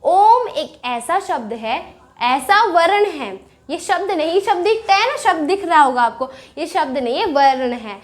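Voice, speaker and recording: A woman's voice: very high voice, sing-song, unhurried. A woman with an Indian accent teaching a casual grammar lesson, chatty, asking questions and answering them herself.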